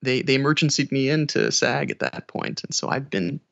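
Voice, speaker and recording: A man's voice: mid-range voice, animated, moderate pace, gravelly, fairly bright tone, no room sound, dull audio. An American man talking casually as an interview guest who works as an audiobook narrator.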